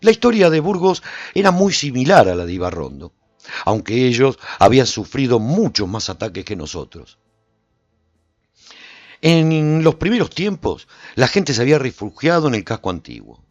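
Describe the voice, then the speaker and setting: A man playing a proud lone warrior who recounts his adventures in a theatrical, expressive first-person radio drama style. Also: mid-range voice, moderate pace, dry recording, dull audio, soft background music. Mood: proud storytelling. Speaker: narrator and lead actor of a radio serial.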